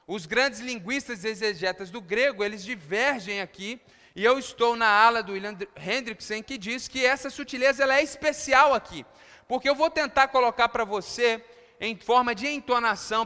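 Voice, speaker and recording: A man with a Brazilian accent preaching a sermon, explaining scripture and moving between hushed and emphatic delivery. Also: very high-pitched. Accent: Brazilian Portuguese. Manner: expository, swings from hushed to emphatic. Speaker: pastor. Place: church hall. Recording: long church-hall reverb.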